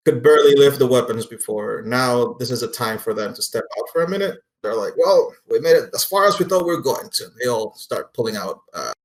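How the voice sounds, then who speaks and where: A man running a tabletop role-playing game as game master, narrating in a casual, sweary way. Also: medium pitch. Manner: casual, profane. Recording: roomy echo, faint music behind.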